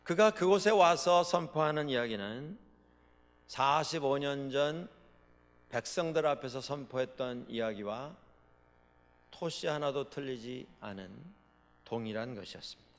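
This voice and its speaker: A man delivers a Sunday sermon from a church sanctuary, his voice of ordinary pitch trailing off into a long hall reverb. He preaches dramatically, building to loud declarations and then falling back to low, quiet asides. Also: measured pace. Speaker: pastor.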